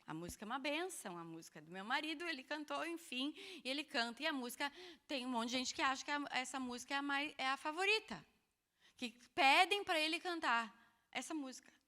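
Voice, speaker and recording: A woman preaching an expressive, animated sermon at a women's church meeting, with humorous asides to the audience. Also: high-pitched, quick pace, in a large hall. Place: church hall.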